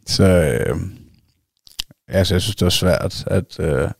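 Deep, gravelly man, hesitant. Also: dry recording, studio quality. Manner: hesitant, many fillers and restarts. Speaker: podcast co-host. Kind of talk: casual chat.

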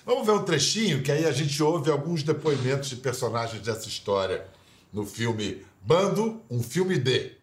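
A male talk show host speaks at an ordinary, middle pitch, asking his guest measured questions. The room around him lends a clear echo. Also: animated, a little hiss or hum. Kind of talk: interview questions. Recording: roomy echo.

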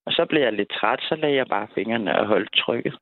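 Gravelly-voiced woman caller on the phone. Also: rumbling low, no echo. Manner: lively, chatty, laughs between sentences. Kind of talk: casual phone-in storytelling. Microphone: telephone. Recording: tinny phone line.

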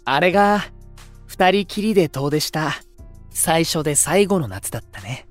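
A man playing a gentle, pure-hearted younger twin in a voice drama, speaking softly and coaxingly. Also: on the high side, lively intonation, unhurried, soft background music. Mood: nostalgic. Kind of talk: Japanese voice drama acting.

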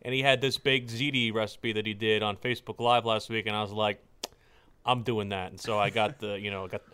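A man's voice: fairly low pitch, level tone, quick pace, pushed and bright, clear, resonant tone. A man hosting a casual podcast, talking in long rambling runs with many fillers and restarts. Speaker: podcast host.

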